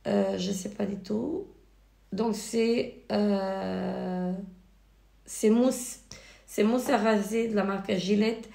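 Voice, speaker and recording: Hoarse woman with a cold, gravelly voice. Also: mid-range voice, fairly even intonation, slow, dark tone. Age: married adult. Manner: hesitant, many fillers and restarts. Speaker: beauty vlogger. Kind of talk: casual product review vlog. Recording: echoey room.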